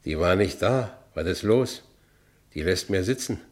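A man's voice: sits low, expressive, unhurried. An actor playing a haunted working-class Berlin man who recounts his past bitterly in a radio drama, with a Berlin accent. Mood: troubled, bleak. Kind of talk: radio drama first-person narration.

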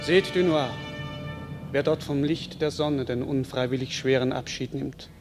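A man's voice: medium pitch, steady tone, measured pace, music in the background, lightly acted. An actor playing a dignified, chivalrous king on the battlefield in a classic radio drama, stately and declamatory. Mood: solemn, commanding. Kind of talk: classic German stage-style radio drama acting.

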